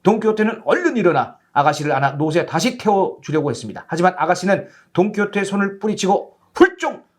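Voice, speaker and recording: A man telling a children's storybook tale as an animated narrator. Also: high-pitched, fast, hardly any pauses.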